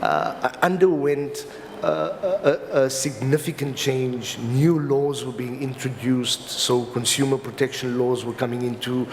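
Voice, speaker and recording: A man with a South African accent giving an explanatory conference talk as a legal professional, in a halting, hesitant delivery with repeated words. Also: mid-range voice, fairly even intonation. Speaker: company lawyer speaking as a summit panelist. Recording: reverberant hall with clear background noise.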